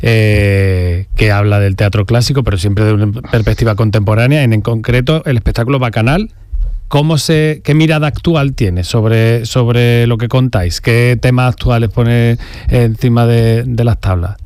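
A man interviewing guests, asking quick, friendly questions. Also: mid-range voice, darkish tone, clear, resonant tone, no echo, clean studio sound.

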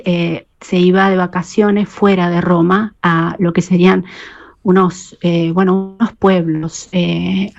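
A woman from Argentina, answering interview questions as a poet and researcher, pausing often with fillers and restarts. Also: fairly low pitch, creaky, a little mellow, muffled recording. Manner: hesitant, many fillers and restarts.

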